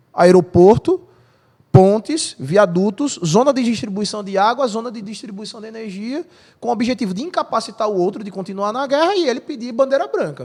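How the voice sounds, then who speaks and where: A man speaks in a high voice with an animated tone and lively intonation. His loudness swings widely from moment to moment. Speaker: history teacher. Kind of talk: casual podcast chat explaining history. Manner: fast.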